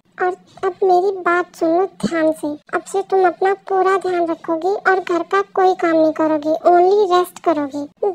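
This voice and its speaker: A put-on character voice at a moderate pace, with music in the background. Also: woman. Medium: audio drama.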